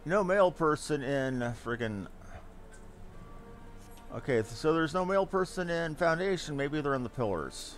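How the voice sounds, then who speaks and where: A man's voice: a little high, expressive, unhurried, soft background music. A man giving casual commentary as he streams a game, sometimes muttering to himself.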